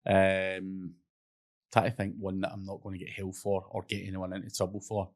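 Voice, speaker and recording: Laid-back man, low voice. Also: monotone, normal speed. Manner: laid-back, self-mocking, swearing. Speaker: podcast guest. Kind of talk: casual chat.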